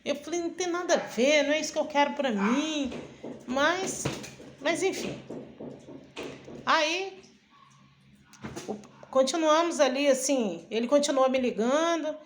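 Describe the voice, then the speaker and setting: A woman's voice: sits high, unhurried, long pauses, background noise. A woman missionary telling a personal testimony in a chatty way, stringing events together and acting out the dialogue in her own voice. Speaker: missionary and preacher.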